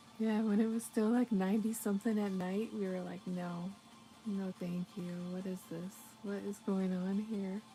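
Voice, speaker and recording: A woman's monotone, flat delivery in an American accent, with music in the background. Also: medium pitch for a woman, moderate pace. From US, Colorado. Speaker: crochet livestreamer. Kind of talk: casual livestream chat while crafting.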